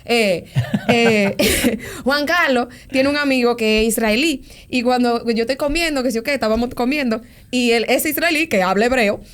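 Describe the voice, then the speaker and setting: A woman, speaking in a fairly high voice. She tells her story of faith as a guest in a casual chat, slangy and animated, often repeating words as she goes. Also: normal speed. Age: 40s. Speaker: podcast guest.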